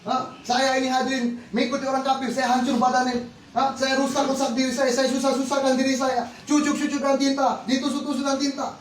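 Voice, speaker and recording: High-pitched, fast Muslim preacher man, echoey. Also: level tone. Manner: exhortatory, repeatedly addressing listeners with rhetorical questions. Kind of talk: religious sermon to an audience. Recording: echoey, distant mic with faint noise.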